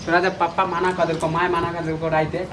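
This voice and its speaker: A woman playing a gruff village husband who scolds and threatens his wife, speaking with a Maithili accent in curt commands. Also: fairly low pitch, flat delivery, fairly quick, lightly acted. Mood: threatening. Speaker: comic sketch actor. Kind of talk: rural comedy sketch acting. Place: outdoors in a village. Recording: distant voice, loud outdoor village noise.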